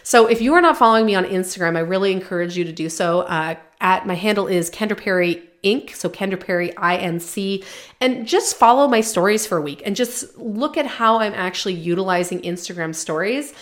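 Blunt, animated woman podcast host. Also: mid-range voice, fairly quick. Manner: blunt, animated, swears casually. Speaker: podcast host, business coach. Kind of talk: solo podcast monologue.

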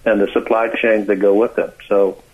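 Phone-line American man, low-pitched and halting. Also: level tone, breathy edge. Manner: halting, frequent uh and repeated words. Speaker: interview guest, clean energy expert. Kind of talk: explanatory radio interview. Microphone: phone call. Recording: tinny, narrow phone line.

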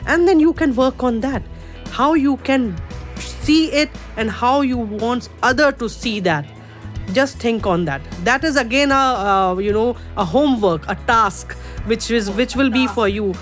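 A middle-aged woman from India whose first language is Urdu, a guest artist talking in a casual interview, halting with many fillers and restarts. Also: fairly high pitch, soft background music.

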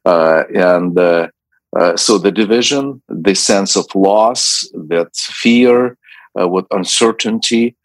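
A man's voice: low voice, slow, no echo. A middle-aged man from Ukraine, speaking as a guest in a radio interview, hesitant and full of fillers and restarts. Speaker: ministry president, guest.

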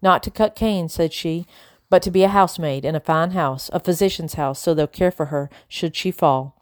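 A woman's voice: low-pitched, moderate pace, a little mellow, no echo, close to an everyday voice. A woman voicing an anxious, kindly servant woman in a novel, folksy and hesitant. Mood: soothing.

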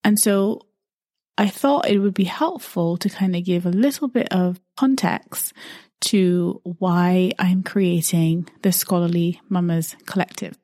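A woman's voice: fairly low pitch, a little slow, mellow, dry recording, studio quality. A woman from Barbados, probably in her thirties, hosting a podcast and talking about her life in an earnest, reflective way, often repeating words as she thinks. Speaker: podcast host.

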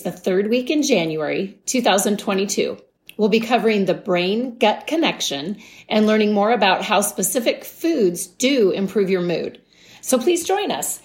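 Calm woman hosting a wellness podcast. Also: mid-range voice. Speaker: podcast host and life wellness coach. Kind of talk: scripted podcast monologue.

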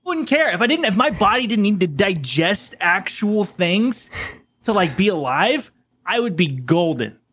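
High, animated man ranting. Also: normal speed, husky. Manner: profane comic rant. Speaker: podcast co-host. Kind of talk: casual chat.

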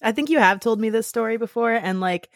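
A woman's voice: a little high, brisk, no room sound, clean studio sound. A woman with a Midwestern American accent chatting casually and playfully as a podcast co-host. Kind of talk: casual chat.

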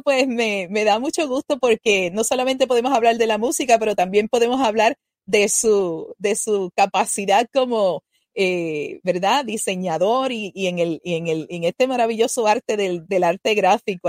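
A woman's voice: medium pitch, moderate pace, dry recording, clean studio sound. Effusive woman hosting a talk show. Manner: warm, effusive praise. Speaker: host. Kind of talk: live talk show interview.

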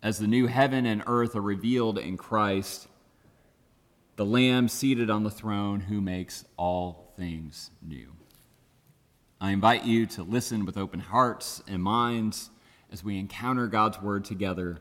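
A man preaching a sermon as pastor, earnest and reflective, with careful pauses. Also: on the low side, a bit bright. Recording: long church reverb.

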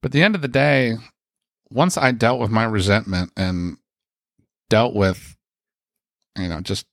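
Chatty low-voiced American man. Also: a little slow, gravelly, no room sound, clean studio sound. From United States. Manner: rambling, chatty, lots of fillers and asides. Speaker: speaker sharing a personal story. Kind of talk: casual storytelling.

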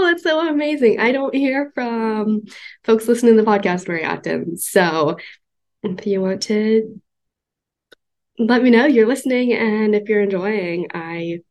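A woman hosting her podcast, chatting upbeat with many fillers and restarts, a bit congested and stuffed up. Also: on the high side. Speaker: podcast host. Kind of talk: solo podcast talk.

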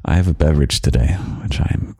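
A young man hosting a podcast of gentle, half-whispered comfort talk, slow and soft with quiet chuckles, close to the microphone. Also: rumbling low, slight background noise. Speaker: podcast host.

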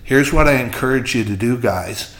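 Male host, mid-pitched, emphatic storyteller, casual. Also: moderate pace, a bit bright. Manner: chatty storyteller, candid and emphatic. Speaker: jeweler and show host. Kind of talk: casual podcast chat.

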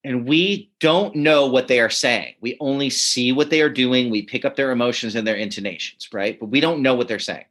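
Man chuckling through animated stories. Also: medium pitch, moderate pace, few pauses. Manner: animated, chuckling, many restarts. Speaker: comedy writer and teacher. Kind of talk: casual interview storytelling.

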